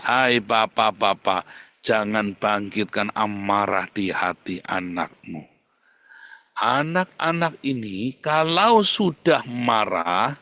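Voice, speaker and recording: Addressing the congregation again and again as brothers and sisters, a male pastor delivers an emphatic sermon. His lines shift from loud bursts to low, hushed passages.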